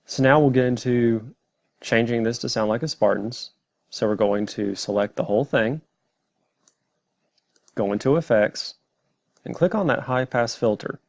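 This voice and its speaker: Male software tutorial host, methodical and plain, slightly deep, dull home recording. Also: dry recording. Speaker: tutorial presenter. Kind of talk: step-by-step software tutorial narration.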